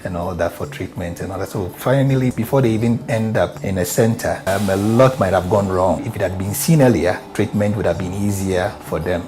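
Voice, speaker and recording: A man from Ghana, a biomedical scientist talking in a relaxed interview and often saying "you know". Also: sits low, fairly quick, few pauses, over music. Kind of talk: interview testimony.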